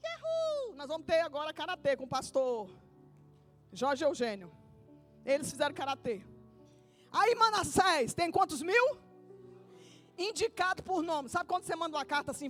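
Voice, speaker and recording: Woman pastor, very high voice, lively sermon, acts out dialogue, faint music behind. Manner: lively preaching with acted-out Bible dialogue and calls for the congregation to repeat.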